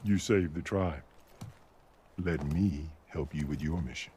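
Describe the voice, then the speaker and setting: An actor playing a grave, noble tribal chief in a video game, speaking formally and solemnly with authority. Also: male voice, extremely low pitch, a little slow, warm tone, a little hiss or hum. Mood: earnest, solemn. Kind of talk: video game cutscene acting.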